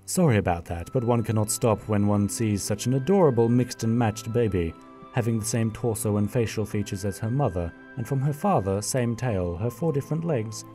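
Guy narrating a fan radio play, low mellow voice, jokey. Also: expressive, brisk, soft background music.

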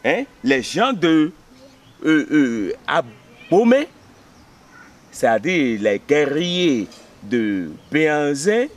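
A Benin history teacher in his fifties recounts village history during an outdoor interview, pausing on fillers and often checking that he's understood. His voice is a little high and sing-song, recorded by a camera at close range.

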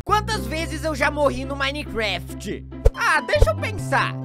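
A woman voicing a cheeky, vain cartoon boy who pranks his friend, squeaky and excitable. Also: unhurried, over music. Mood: excited.

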